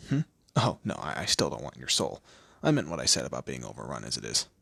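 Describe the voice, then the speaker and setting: Audio roleplay demon lord, played by a man: low and bright-edged, close and dry, haughty, teasing, drawlingly condescending. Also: huge pitch swings, fast talker, creaky, breathy edge, no room sound, exaggerated voice. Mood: teasing, mocking. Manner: theatrical, condescending, drawling, with amused asides. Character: smug, teasing male demon lord, proud torturer and bureaucrat. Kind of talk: scripted audio roleplay addressed to the listener.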